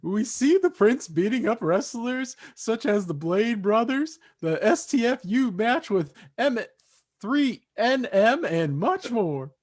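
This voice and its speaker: Lively high-voiced woman narrator. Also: slow. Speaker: stage-direction narrator. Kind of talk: scripted narration at a staged reading.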